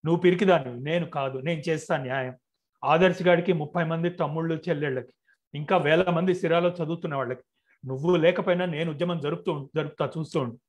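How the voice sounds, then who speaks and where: A man's voice: a little high, fairly even intonation, quick pace, natural voice. A man reading the lines of an earnest, hot-tempered young man in a novel. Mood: heated. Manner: pleading, then heated and accusing.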